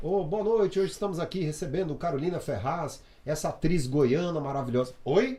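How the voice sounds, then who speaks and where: A somewhat breathy man with a fairly high pitch, a dark, mellow tone and a moderate pace. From Brazil, Goiânia (Goiás). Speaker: Portuguese language expert and writer. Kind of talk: podcast interview.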